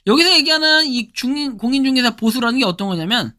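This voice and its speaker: A woman with a hoarse throat hosting her own channel, giving casual spoken commentary as she explains what is on her screen and often starts sentences with a prompting word. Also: high-pitched, expressive, quick pace, bright, forceful tone. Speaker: crypto channel host.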